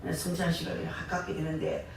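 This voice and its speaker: A woman preacher delivering an impassioned sermon, rising to shouts on key words, recorded from a distance in a church sanctuary. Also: sits low, flat delivery, fairly quick, slight background noise. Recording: echoey church hall, far from mic.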